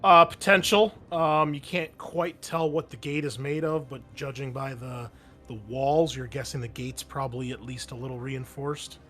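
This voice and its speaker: Game master explaining with music behind him. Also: male voice, medium pitch, steady tone, normal speed, pushed and bright. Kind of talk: improvised narration of a tabletop game.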